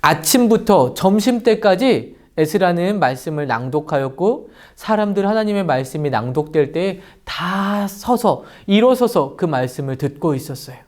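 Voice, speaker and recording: A man, a children's pastor, preaching a children's sermon in an animated storytelling manner, acting out the voices he quotes, on a lapel mic. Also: sits high, normal speed. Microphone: lavalier mic.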